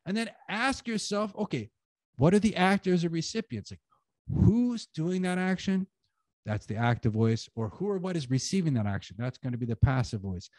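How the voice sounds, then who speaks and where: Guy teaching writing on a video call, higher voice, lots of "like", dry close sound. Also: darkish tone, dry recording. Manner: casual, filler-heavy, uses "like" and "you know". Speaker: guest speaker, writing teacher. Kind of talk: conference talk to an online audience.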